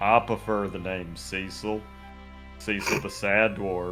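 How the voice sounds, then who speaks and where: A man uses a put-on character voice with a very deep, low pitch, speaking at a fairly slow pace. Clear music plays in the background. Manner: sad, gloomy.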